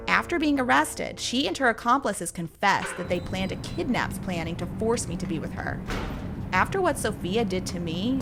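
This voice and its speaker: A woman tells a dramatic first-person story in scripted, plain storytelling. Her pitch sits in the middle of the range, and clear background music runs under the whole narration.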